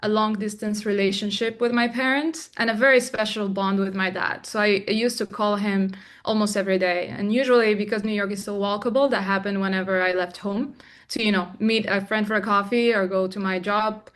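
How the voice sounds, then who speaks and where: Young woman from Morocco, a thoughtful interview guest who often pauses and restarts, mid-range voice. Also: medium pitch, steady tone, fairly bright tone. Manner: reflective, with frequent restarts and fillers. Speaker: filmmaker guest. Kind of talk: interview conversation.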